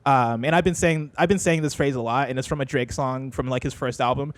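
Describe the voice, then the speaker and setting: Fast-talking man, dry close sound. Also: mid-range voice, dry recording. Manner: rapid, animated storytelling with bursts of laughter. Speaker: guest. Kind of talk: casual panel discussion.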